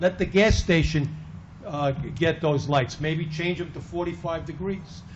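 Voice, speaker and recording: A man with an American accent talks at a moderate pace in a fairly high voice with fairly even intonation. There is audible echo from the room. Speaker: local resident. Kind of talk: public comment at town meeting. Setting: town board meeting, podium. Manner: loud; halting, many fillers.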